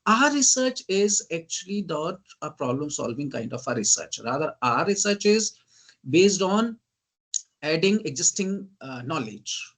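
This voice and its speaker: Higher-voiced Indian English man lecturing. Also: very animated, unhurried. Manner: often asks "right?" and says "ladies and gentlemen"; lists terms in emphatic bursts. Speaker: guest lecturer. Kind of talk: online teaching lecture.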